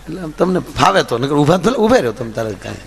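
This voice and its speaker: A man's voice: on the high side, fast, vocal fry. A man telling comic folk stories on stage, acting out the voices of the people in them. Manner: lively storytelling with acted-out voices. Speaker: folk comedian. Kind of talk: Gujarati stand-up storytelling. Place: stage program before an audience.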